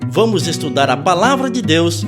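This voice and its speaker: A man's voice: on the high side, sing-song, normal speed, music in the background. A Brazilian man announcing a radio show in a scripted intro style.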